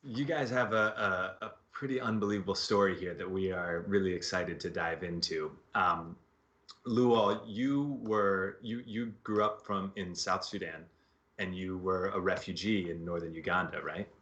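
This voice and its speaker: A man's voice: low voice, moderate pace, fairly bright tone, highs cut off. A man hosting a livestream show in a casual, conversational style. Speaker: show host.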